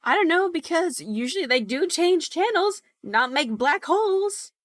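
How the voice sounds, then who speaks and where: A woman's voice: very high-pitched, animated, a little slow, no echo, clean studio sound. A woman playing a sardonic, blunt young best friend in an audio drama. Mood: sarcastic.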